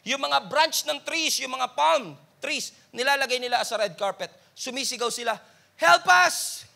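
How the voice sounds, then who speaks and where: A male pastor with a Filipino accent, preaching a sermon that mixes Tagalog and English, asking the congregation for an amen and crying out pleas loudly. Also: very high voice, moderate pace, gravelly.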